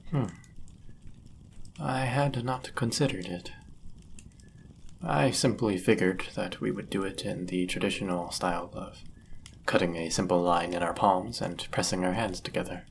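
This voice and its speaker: Man voicing a deep, gravelly, devoted demon lover. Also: slight background noise. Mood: tender, curious. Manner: formal, old-fashioned wording, deliberate. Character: powerful male demon, devoted, jealous lover bound to a sorcerer. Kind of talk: intimate scripted audio roleplay.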